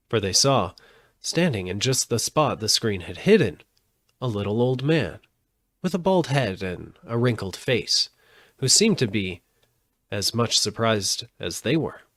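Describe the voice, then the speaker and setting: A man giving an expressive live reading of a storybook as narrator. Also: fairly low pitch, no room sound. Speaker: audiobook narrator.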